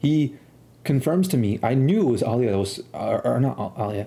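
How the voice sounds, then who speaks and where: Somewhat breathy man at a medium pitch with lively intonation. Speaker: streamer. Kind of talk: casual monologue. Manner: fast; clear.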